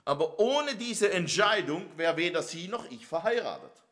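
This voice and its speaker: A man's voice: high voice, big pitch swings, normal speed, a bit bright. A middle-aged man from the northern Black Forest with a Swabian accent, preaching a sermon. He speaks emphatically and asks his listeners rhetorical questions. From Germany, northern Black Forest.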